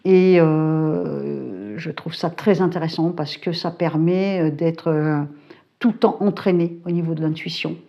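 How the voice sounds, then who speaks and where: A psychic YouTuber with a lower voice and vocal fry chats casually to camera at home, in lo-fi sound. She's colloquial and brisk, full of filler tags and hesitations, and calls herself hyperactive.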